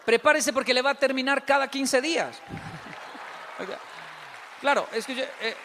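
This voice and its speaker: Colombian man, lively storyteller acting out dialogues, high voice, long hall reverb. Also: unhurried, a faint crowd, slight background noise. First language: Spanish. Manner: animated storytelling, acts out both sides of dialogues. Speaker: speaker. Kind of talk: humorous talk to an audience.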